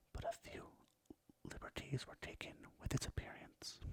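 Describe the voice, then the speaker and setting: A man whispers at a fairly slow pace. The sound is dry and close, with no echo. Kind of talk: ASMR fun-facts narration about a film. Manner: whispered, soft-spoken.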